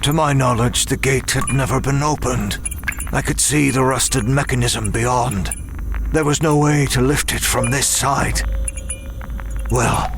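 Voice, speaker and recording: A worn-out but defiant fugitive telling his own horror tale. He speaks slowly and formally in a middle-pitched voice, weighing each phrase, with music running underneath. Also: steady tone, vocal fry. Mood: brooding. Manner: deliberate, wordy, formal storytelling. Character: weary, defiant fugitive ex-jailer narrating his own flight. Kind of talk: scripted first-person horror audio drama narration.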